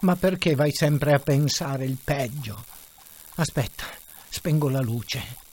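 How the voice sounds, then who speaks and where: A man's voice: medium pitch, takes it slowly, darkish tone. A man voicing a patient, wry middle-aged wife who speaks dryly and with exasperation. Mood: exasperated. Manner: dry and exasperated. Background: faint music.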